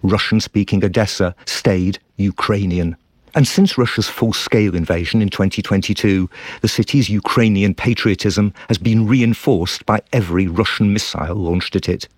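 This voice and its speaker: A man narrates a scripted radio report in a grave, reflective tone. His voice is very low, and the recording is dry and close. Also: moderate pace, dry recording. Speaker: foreign correspondent.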